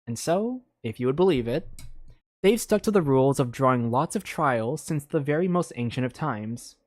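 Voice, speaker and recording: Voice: medium pitch, lively intonation, normal speed, darkish tone. A game streamer chatting informally and reading a story aloud, stumbling over words and commenting along the way. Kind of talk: casual livestream chat mixed with read-aloud storytelling. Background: music.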